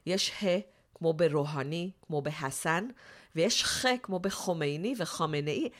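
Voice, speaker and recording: A woman who is an academic expert guest on a podcast, explaining in a lively, teacherly way. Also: low-pitched. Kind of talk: casual podcast discussion.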